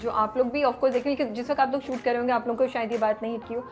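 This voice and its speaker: Woman interviewer, curious and chatty, kinda high voice, music underneath. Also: steady tone, racing. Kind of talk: casual interview.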